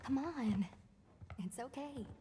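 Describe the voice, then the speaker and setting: An actress playing a friendly, earnest young guild handler in a video game. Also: female voice, sits high, animated, slow, mellow, faint music behind.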